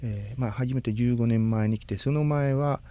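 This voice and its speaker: Speaking as a guest in an informal interview, this native Spanish speaker from Costa Rica is in his thirties. He has a warm, mid-range voice, and his courteous, measured delivery is broken by frequent pauses as he looks for the right words.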